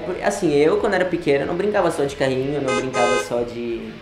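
Relaxed 19-year-old Brazilian guy. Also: medium pitch, fast, over loud music. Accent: Brazilian Portuguese. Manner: relaxed, laughs often. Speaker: interviewee. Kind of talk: casual personal storytelling. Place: studio against grey wall. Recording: roomy room sound.

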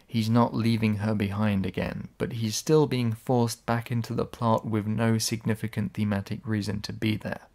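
A man's voice: on the low side, level tone, normal speed, few pauses, a little mellow. A man giving casual, sarcastic video essay commentary. He is blunt, swears when annoyed, and his voice sounds slightly worn.

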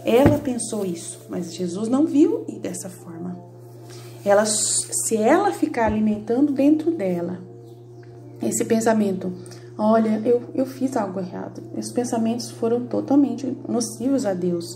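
A woman's voice: fairly high pitch, expressive, measured pace, mellow, faint music behind. A middle-aged Brazilian woman teaching about faith in a casual, earnest way, repeating herself and often checking that her listeners follow. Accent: Brazilian Portuguese. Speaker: Catholic study group leader. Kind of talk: informal religious teaching with personal examples.

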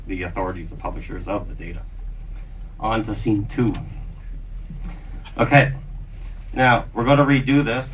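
Male presenter, lowish voice, informal explanatory narration of a live demo, faint noise, miked from afar. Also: fairly bright tone. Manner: informal, narrates own actions. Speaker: session presenter acting out a bank customer. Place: small conference meeting room. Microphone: handheld mic, filmed from audience. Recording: distant, noisy conference room recording.

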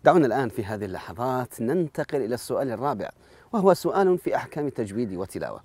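A man's voice: mid-range voice, very animated, very fast, darkish tone, husky, no echo. A man hosting a TV contest show, speaking formal Arabic, addressing viewers and praising the contestant. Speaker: TV show host. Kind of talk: formal broadcast presenting.

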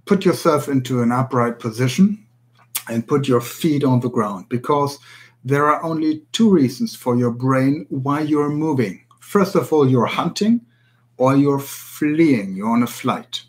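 A man with a German accent presents a spoken tutorial as a language teacher. He is a native German speaker with a mid-pitched voice, and he explains things step by step in a measured, instructive manner. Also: expressive. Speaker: language teacher, academy director.

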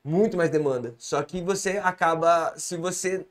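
A man, a podcast guest talking casually, slangy and rambling, with many fillers and restarts, on a close studio boom mic. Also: normal speed. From Santa Catarina, Brazil. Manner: gestures a lot with his hands. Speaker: podcast guest, comedian and producer. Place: small podcast studio with bookshelf.

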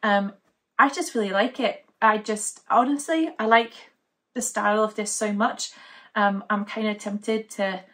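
A young woman from Denmark talks casually to the camera in her living room. She is chatty and upbeat, rambling with plenty of "um"s. Her voice sits at an ordinary middle pitch for a woman. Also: fairly even intonation, unhurried, fairly bright tone. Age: young adult. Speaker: knitting podcaster. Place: living room at home, indoors.

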